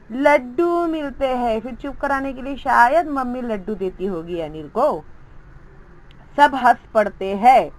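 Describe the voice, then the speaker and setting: A woman's voice: on the high side, poor audio. A woman teacher explaining a Hindi textbook story, reading its lines aloud and acting out the children's voices.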